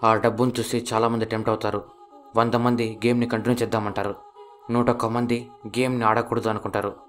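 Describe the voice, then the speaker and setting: A man with a Telugu accent narrating a series plot in a quick, steady scripted telling. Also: on the low side. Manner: fast, flat, steady telling.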